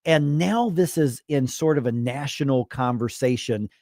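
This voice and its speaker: A man in his fifties hosting a morning radio talk show, chatting in a loose, halting way and circling back on his phrases. His voice sits at a middle pitch. He is recorded close and dry on a studio mic. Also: darkish tone, dry recording. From United States. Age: 50s. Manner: chatty, halting, with restarts and laughs. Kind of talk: casual radio interview. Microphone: studio microphone.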